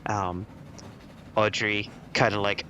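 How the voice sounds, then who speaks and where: Man, game master, casual, bright tone, lowish pitch, faint music behind. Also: flat delivery, takes it slowly, a little hiss or hum. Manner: casual, laughing, with fillers. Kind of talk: narrating a tabletop game.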